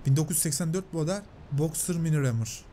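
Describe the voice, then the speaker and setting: A man doing excitable let's-play commentary, reading out and paraphrasing game dialogue in a chatty way. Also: fairly high pitch, fast talker, slight background noise. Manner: chatty, excitable, translating and paraphrasing on-screen lines. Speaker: gameplay commentator.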